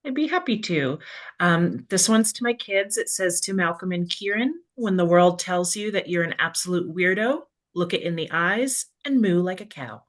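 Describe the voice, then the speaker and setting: A woman illustrator reading her book dedication aloud, friendly and relaxed, over a video call. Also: fairly low pitch, moderate pace.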